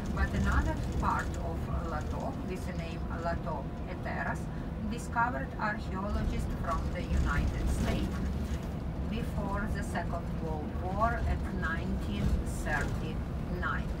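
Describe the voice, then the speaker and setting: A woman speaks at a fairly slow pace, with long, frequent pauses and ordinary pitch variation. Loud background noise runs under her voice. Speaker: tour guide. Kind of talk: tour guide commentary. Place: bus.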